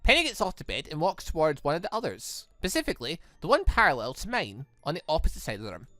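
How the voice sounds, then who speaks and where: A game streamer giving enthusiastic commentary and reading a visual novel aloud, quick to laugh. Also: mid-range voice, wildly swooping pitch, fairly bright tone, dry recording. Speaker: video game playthrough host. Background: music.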